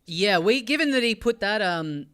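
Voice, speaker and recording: A man with an Australian accent co-hosting a comedy podcast, trading dry, deadpan jokes. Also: high-pitched, moderate pace, clean tone. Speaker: podcast co-host. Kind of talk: casual comedy podcast chat.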